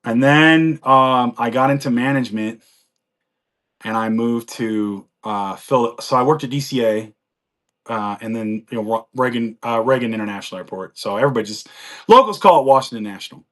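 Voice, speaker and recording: A man's voice: medium pitch, normal speed, a bit bright. Forties American male guest, casual live chat, loose and talkative. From United States. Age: 40s. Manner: rambling, chatty storytelling with frequent laughs and fillers.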